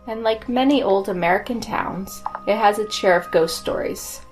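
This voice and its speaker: A woman's voice: medium pitch, normal speed, rough recording. A woman co-hosting a podcast, reading scripted ghost stories with music behind her. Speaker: podcast co-host. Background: background music.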